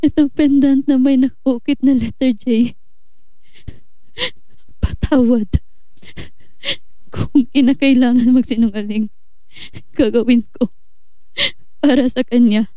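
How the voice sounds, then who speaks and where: Lady playing devoted guilty young woman, melodramatic audio drama, very mellow high voice, dry sound. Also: steady tone, slow pace, long pauses, no echo. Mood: tearful, resolute.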